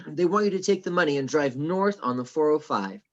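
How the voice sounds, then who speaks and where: A man playing an earnest, anxious, officious personal assistant in a script table read, speaking formally and gravely. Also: a little high, animated, fairly quick, highs cut off, close to an everyday voice. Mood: businesslike, worried.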